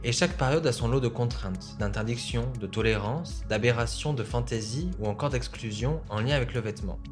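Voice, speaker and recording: A young man hosting a podcast, reading a reflective scripted introduction and asking interview questions in a measured way. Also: mid-range voice, over music. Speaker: podcast host.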